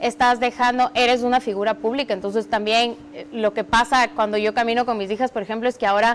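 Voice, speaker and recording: A woman's ordinary speaking voice, fairly high in pitch, fairly even intonation, fairly quick pace, hardly any pauses. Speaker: vice-presidential candidate. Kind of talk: interview.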